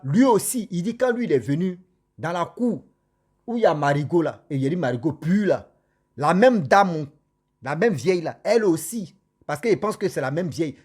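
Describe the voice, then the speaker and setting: A man with a slightly higher than usual voice tells a cautionary story in a loose, conversational way. He repeats phrases for weight and turns often to address his listeners directly. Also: animated, moderate pace, breathy edge. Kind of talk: casual spoken storytelling.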